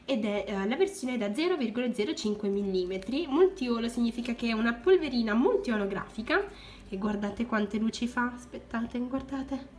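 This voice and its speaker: A young woman who runs a crafts channel, gushing with excitement as she unboxes supplies for viewers. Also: fairly high pitch, moderate pace, reverberant. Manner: gushing, keeps exclaiming in delight.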